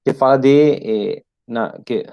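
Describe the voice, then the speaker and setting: A man with an Argentine Spanish accent talks in a soft-edged, mellow voice, mixing Portuguese and Spanish. He feels his way through sentences, repeating small words and often tagging a short question on the end. It sounds like an informal online lecture from a native Spanish speaker. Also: medium pitch, gravelly. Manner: halting, repeats words searching for phrasing; often ends phrases with a tag question. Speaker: professor, guest lecturer.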